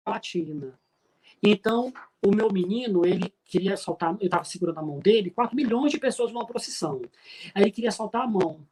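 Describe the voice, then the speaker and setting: A middle-aged man from Pará, Brazil, with a regional accent, giving an emphatic, preacher-like spiritist talk with frequent filler pauses. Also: high-pitched, darkish tone, low-quality recording. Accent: Brazilian Portuguese from Pará. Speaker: spiritist speaker.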